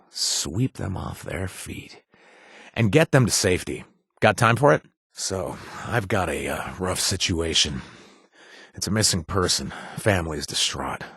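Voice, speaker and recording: A man playing a roguish, flirtatious wasteland companion in a video game, husky and sometimes breathy, with a hesitant, teasing, conversational drawl. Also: deep voice, fairly bright tone, no room sound, clean studio sound, exaggerated voice. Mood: flirtatious, coaxing, then earnest, concerned.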